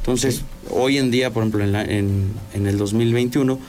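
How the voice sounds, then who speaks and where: The speech moves at a fairly quick pace in a monotone, flat intonation, with audible room echo. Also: man. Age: 20s. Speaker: real estate investment entrepreneur. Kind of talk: interview. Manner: too quiet on mic.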